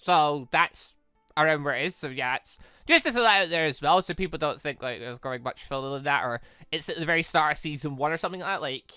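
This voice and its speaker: A man's voice: on the high side, fast, bright, forceful tone, clean tone, no room sound, studio quality, soft background music. A man giving casual let's-play commentary, rambling as he repeats and rephrases himself. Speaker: gaming video host.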